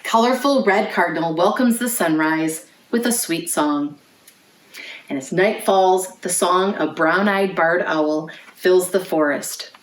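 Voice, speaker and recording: A woman's voice: fairly low pitch, a little slow. Echoey woman reading storytime to young children. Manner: clearly phrased, interactive, asks children questions. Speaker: children's librarian, storytime host. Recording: roomy, echoey indoor sound.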